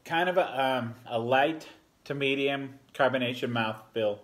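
A man in his forties gives a relaxed, rambling beer review full of fillers, talking at a table in a home bar room. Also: medium pitch, measured pace. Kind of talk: casual beer review vlog. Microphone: fixed camera at a table.

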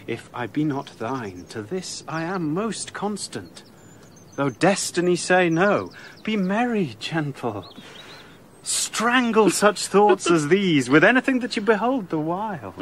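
Ardent young prince; slightly high, animated, radio drama. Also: male voice, unhurried, slight background noise, exaggerated voice. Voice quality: ardent, reassuring. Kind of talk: radio play acting.

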